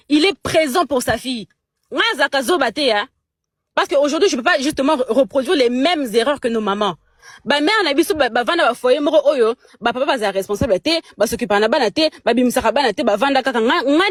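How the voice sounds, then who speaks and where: A young woman from the Democratic Republic of the Congo, a guest on a live chat, argues heatedly in Congolese-accented French, emphatic and indignant and tripping over repeated words. Her voice sits high, and the recording is clean, studio-quality and free of echo.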